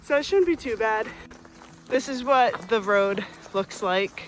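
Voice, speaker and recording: A woman's voice: on the high side, expressive, unhurried, soft background music, low-quality recording. A woman hiking vlogger talking casually to camera while trudging along a snowy winter trail outdoors.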